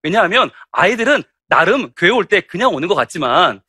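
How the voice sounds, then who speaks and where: A middle-aged male pastor giving a lively, humorous lecture to church teachers, acting out stories. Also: high voice, brisk, slightly rough, dry recording, studio quality. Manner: animated and humorous, acting out anecdotes.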